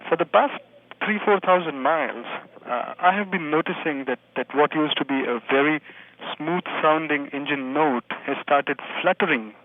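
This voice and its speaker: A man's voice: on the high side, normal speed, no echo. Polite Indian-accented young man on phone. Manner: polite, careful, hesitant. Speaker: caller. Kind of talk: phone call to radio show. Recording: tinny phone line.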